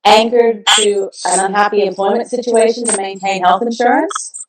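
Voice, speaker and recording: A woman's voice: mid-range voice, fairly even intonation, moderate pace. Echoey distant woman on a video call. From Kansas, American Midwest. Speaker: guest, balm founder. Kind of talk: casual video interview. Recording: echoey room, distant mic, background noise.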